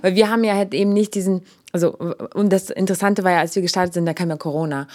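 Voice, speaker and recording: A woman co-hosting a podcast, talking in a relaxed, loose way with many fillers. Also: fairly low pitch, very fast. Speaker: podcast co-host. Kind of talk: casual conversational interview.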